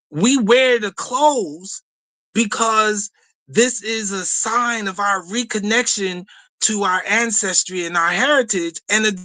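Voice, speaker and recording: A man's voice: high voice, bright, forceful tone, no echo, poor audio. A man from the United States, a guest on a radio talk show, telling stories passionately with frequent laughs and repeated words. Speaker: guest speaker.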